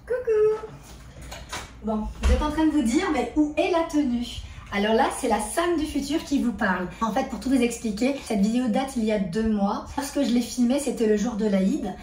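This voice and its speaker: Outdoors at a countryside ranch, a lifestyle vlogger chats casually and enthusiastically to camera, gushing over what she shows. Her voice is on the high side, expressive and darkish at normal speed, with roomy echo and faint ambient noise.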